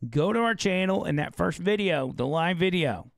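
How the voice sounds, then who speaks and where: A male talk show host with a gravelly, slightly hoarse voice, chatting loosely and reading an ad. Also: high voice, animated, moderate pace, dry recording, studio quality. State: losing his voice. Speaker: radio and live-stream show host. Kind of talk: casual live talk show with read ad.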